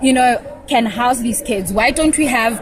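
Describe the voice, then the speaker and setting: A woman's voice: a little high, moderate pace, crowd noise. A young woman student from Pretoria speaking out earnestly about social problems, often repeating words as she builds her point. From Pretoria, South Africa. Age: young adult. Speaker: university student. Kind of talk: impassioned vox pop answer. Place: outdoors on a campus. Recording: noisy outdoor recording.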